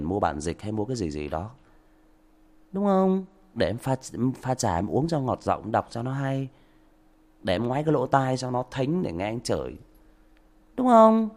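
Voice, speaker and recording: A man lecturing a commenter during a livestream, sarcastic and scolding, with sudden loud outbursts. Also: fairly low pitch. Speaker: livestream story reader addressing a commenter. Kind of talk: livestream rant.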